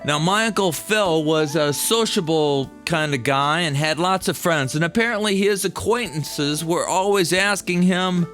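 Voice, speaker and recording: A man's voice: fairly high pitch, a little slow, hardly any pauses, fairly bright tone. A middle-aged American man telling a first-person story in a conversational, folksy way. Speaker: podcast host and storyteller. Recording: music playing behind the voice. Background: background music.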